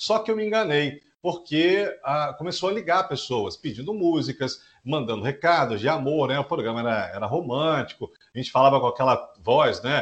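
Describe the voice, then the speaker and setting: A man talks in an ordinary speaking voice at a moderate pace. His pitch is fairly high and his intonation lively. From Minas Gerais, Brazil. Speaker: radio announcer and speaker. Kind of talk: casual interview chat.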